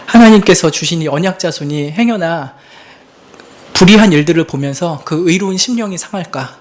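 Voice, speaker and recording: A man in his thirties, a pastor preaching a sermon in an earnest, confessional way, moving between hushed and emphatic delivery. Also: a little high, a little fast.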